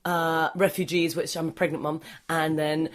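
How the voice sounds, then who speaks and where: A woman with a fairly low voice talking as a guest on a casual podcast. She thinks aloud, circles back on her own words and breaks into laughs. Her talk stays loose and unpolished. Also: flat delivery, moderate pace. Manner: rambling, self-interrupting, laughs easily. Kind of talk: casual interview chat.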